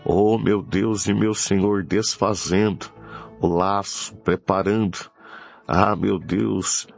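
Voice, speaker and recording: A Brazilian man prays fervently in a very slow, deliberate delivery. His voice is markedly gravelly, and he pleads in repeated phrases and devotional interjections. Faint music plays behind the preacher. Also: on the low side, fairly even intonation. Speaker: preacher leading prayer. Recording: dull lo-fi audio with music behind.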